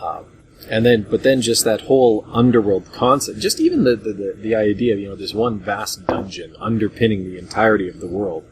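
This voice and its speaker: A man hosting a casual group discussion about retro games in a rambling, hesitant way, on a low-grade voice chat recording. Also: brisk, slight background noise, poor audio. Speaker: podcast host.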